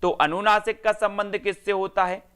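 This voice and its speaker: A man's voice: high-pitched, little pitch movement, normal speed, fairly bright tone, smooth. A man teaching an online exam-prep Hindi grammar class, calling out students by name and answering his own questions. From India.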